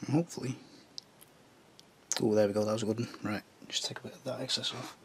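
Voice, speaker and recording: A Northern English man with a husky, strained voice, recovering from tonsillitis, chatting casually as he paints a scale model. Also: medium pitch, steady tone, fast talker, a little hiss or hum. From Northern England. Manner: chatty, jokey asides while working.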